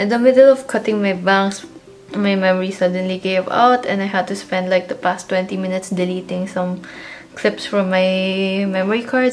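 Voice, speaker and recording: Music plays in the background as a woman speaks at a fairly slow pace. Her pitch is medium and her intonation fairly even. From Philippines. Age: 20s. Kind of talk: casual talk to camera.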